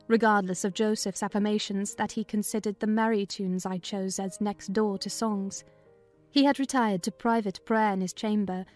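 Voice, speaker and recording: Woman narrating, music softly behind. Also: medium pitch. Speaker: audiobook narrator. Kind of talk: scripted dramatized narration of a classic novel.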